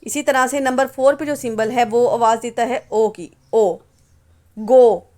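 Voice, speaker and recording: A woman's voice: on the high side, moderate pace, a little mellow. A woman teaching English phonetics, patiently repeating example words and asking and answering her own questions. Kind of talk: phonetics lesson explaining symbols.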